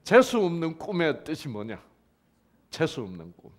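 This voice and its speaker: A middle-aged man gives a lively church lecture on the Bible, questioning the audience, joking, and laughing along the way. He speaks at a moderate pace in a slightly high voice.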